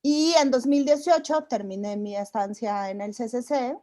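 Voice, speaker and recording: A woman's voice: fairly high pitch, moderate pace, dark tone, no echo. Reflective woman, dry close sound. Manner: reflective, rambling with many restarts. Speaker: film producer. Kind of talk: conversational talk at a seminar.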